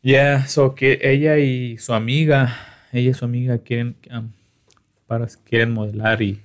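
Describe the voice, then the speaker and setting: A man with a Chicano accent chatting casually, switching between Spanish and English in a halting, slangy, profane way. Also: medium pitch, level tone. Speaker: photographer.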